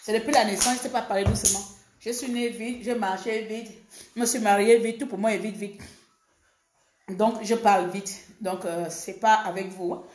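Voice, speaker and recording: A woman from Gabon, an activist, talking fast and emphatically in a defiant political monologue. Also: medium pitch, steady tone, reverberant, background noise.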